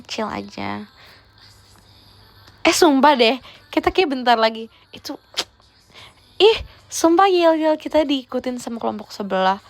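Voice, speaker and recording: A woman's voice: sits high, expressive, measured pace, gravelly, long pauses, no room sound. A young woman, chatting teasingly in a playful role-play livestream and dropping in English words. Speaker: idol livestreamer.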